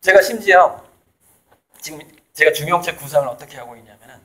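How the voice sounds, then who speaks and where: This man speaks on the high side, brisk and sharp-toned. As an interviewee from South Jeolla, Korea, he is an artist and author giving a casual conversational lecture, emphatic and breaking into laughs as he makes his points.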